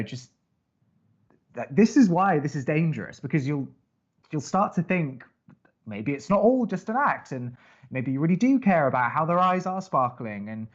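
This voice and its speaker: A man's voice: mid-range voice, dull audio. An actor playing a skeptical, guarded young man who co-hosts college radio in an audio drama, with a hesitant, wry way of talking. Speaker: college radio co-host and advice-giver. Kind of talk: naturalistic audio drama acting.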